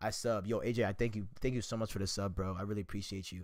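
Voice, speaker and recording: A man talks at a very fast pace. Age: 20s. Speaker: livestreamer. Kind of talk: casual livestream commentary. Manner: loud.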